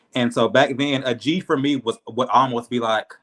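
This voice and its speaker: A man with an American accent and a normal speaking voice talks at a moderate pace, with medium pitch and ordinary pitch variation. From US South, Georgia. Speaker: singer. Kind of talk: casual interview chat. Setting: at home in an apartment, online stream.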